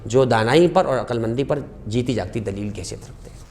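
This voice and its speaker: This male guest scholar on a religious talk show has a medium-pitched, slightly mellow voice, with a little background noise present. He tells stories with passion, climbing sharply on key phrases and reading Arabic quotations slowly.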